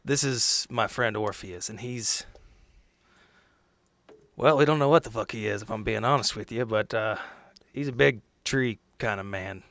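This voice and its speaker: A man's voice: fairly low pitch, measured pace, creaky, a bit bright, dry recording. Casual man playing a tabletop game. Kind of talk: casual improvised role-play chat.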